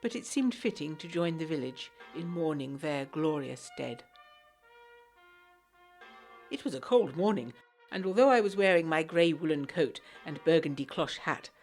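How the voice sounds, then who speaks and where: Young gentlewoman, 1920s gothic audio drama, lowish voice, articulate, formal, earnest letter narration, music behind. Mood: solemn, reflective. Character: genteel, frail young 1920s Englishwoman writing to her fiancé.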